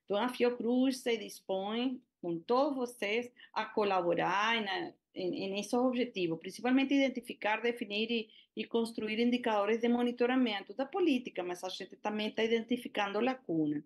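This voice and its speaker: A woman's voice: fairly high pitch, moderate pace, few pauses. Woman with a Spanish accent on a video call. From Venezuela. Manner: hesitant, many fillers and restarts. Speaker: researcher presenting by video call. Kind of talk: public hearing presentation.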